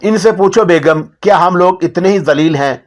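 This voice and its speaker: A man doing a gruff, furious elderly householder. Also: sits high, moderate pace, pitched above the performer's own voice, close to an everyday voice. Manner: scolding, growling. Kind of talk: audiobook character voice.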